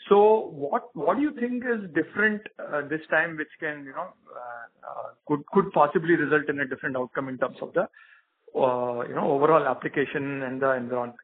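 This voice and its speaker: Guy analyst asking stuff on a conference call, kinda high voice, hesitant n polite, thin phone sound. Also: fairly quick. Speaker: analyst caller asking questions. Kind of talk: earnings call question. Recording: tinny narrowband phone line.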